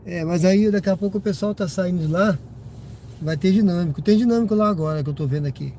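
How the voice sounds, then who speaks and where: A man's voice: high voice, fast talker, warm tone. A Brazilian rideshare driver chatting casually to his live-stream viewers from the car, slightly congested from a cold, rambling with lots of tag questions. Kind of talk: casual live-stream chat while driving. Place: inside a car driving at night. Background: car and road noise.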